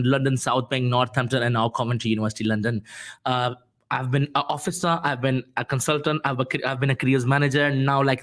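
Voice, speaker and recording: An enthusiastic, emphatic man with a Pakistani accent, talking conversationally as a guest on a show. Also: medium pitch. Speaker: guest, careers consultant. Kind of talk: conversational self-introduction.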